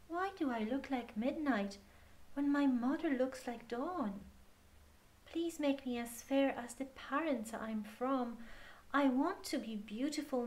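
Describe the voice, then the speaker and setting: Woman as a pleading, high-voiced young girl. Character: sad young girl praying earnestly.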